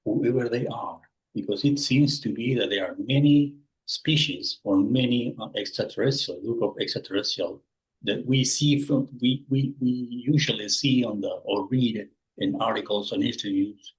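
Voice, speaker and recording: A man's voice: medium pitch, poor audio. A man in his sixties from Peru, answering interview questions and rephrasing as he searches for words. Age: 60s. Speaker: guest.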